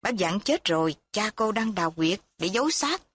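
A woman narrating a story with a steady, even reading. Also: medium pitch, moderate pace, husky, dry recording.

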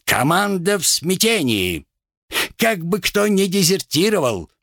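A man voicing a haughty aristocratic female pirate captain with a slow, drawling delivery. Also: high voice, big pitch swings, creaky, fairly bright tone, no echo, studio quality, pitched above the performer's own voice, full character voice.

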